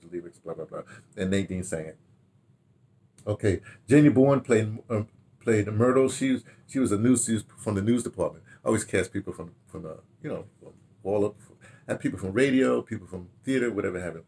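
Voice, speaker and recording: An older man with an American accent, reminiscing casually to camera in a rambling, halting way, repeating words as he goes. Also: on the low side, mellow, slight background noise. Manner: rambling, halting delivery, repeating words, checking notes aloud. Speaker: radio drama producer recalling past productions. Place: small book-lined room at home, indoors.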